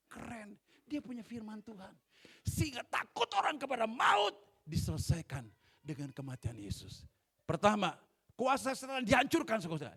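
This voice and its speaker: Male preacher, sermon at a church service; high, bright and tense, gravelly edge, big swings from quiet storytelling to shouting. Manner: drops to low storytelling, then builds to shouted climaxes; asks the congregation for responses.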